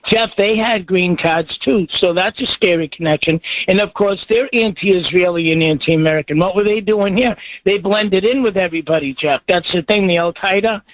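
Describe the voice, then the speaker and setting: A man's voice: high voice, normal speed, hardly any pauses, no echo. A man calling in to a talk radio show, earnest and addressing the host by name again and again. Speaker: caller. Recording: tinny phone line.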